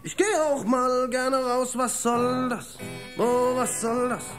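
A woman's voice: a little high, little pitch movement, slow pace. A woman singing a playful answering machine greeting over guitar, recorded on cassette tape.

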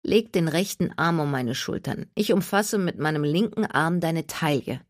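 Woman voicing a brisk, practical woman. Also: sits low, animated, no room sound, studio quality. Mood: firm. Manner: brisk and matter-of-fact.

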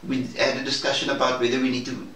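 A man speaking in a measured, hesitant and formal way in a reflective debrief conversation. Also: medium pitch, completely flat delivery, a bit bright. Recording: roomy, distant mic, faint noise.

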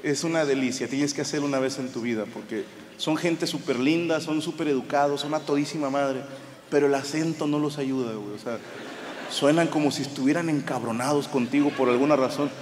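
A Mexican man with a Mexican Spanish accent, doing profane, animated stand-up storytelling on a live comedy stage. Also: fairly high pitch, fairly quick. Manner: profane, animated, bursts into shouted punchlines. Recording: live hall reverb with audience noise.

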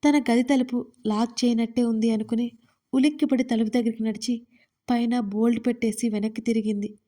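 A woman storyteller narrating an audio love story in a steady, expressive reading. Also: fairly high pitch, brisk.

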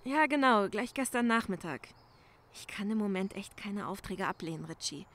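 A woman's voice: medium pitch, animated, moderate pace, a bit bright, close to an everyday voice. A woman playing an anxious young crime-scene cleaner in a crime audio drama, speaking hesitantly and urgently, pleading. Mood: concerned. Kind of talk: German crime audio drama acting, conversational.

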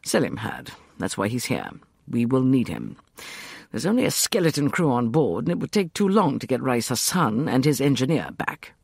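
A suave, sardonic schemer , voiced by a male reader, drawls in a low, unhurried way. His tone has a gravelly texture and a husky grain. It is read close to the mic in a dry space. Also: very animated, no echo, heavily acted. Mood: drawling. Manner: irritating drawl. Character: suave, sardonic middle-aged gentleman schemer.

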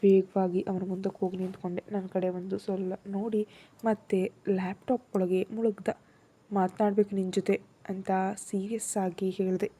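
A woman tells a romance story in the first person and acts out the heroine's every feeling. Her voice is very dark and mellow, with a husky grain. She reads it like a storyteller sharing a serial. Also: medium pitch, flat delivery, moderate pace.

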